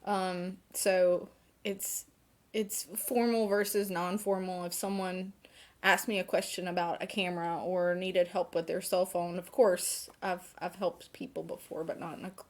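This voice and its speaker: A forty-year-old woman with a somewhat low voice answers as an interviewee. She is an instructor who talks conversationally, feeling her way through her thoughts as she goes. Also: little pitch movement, a little slow.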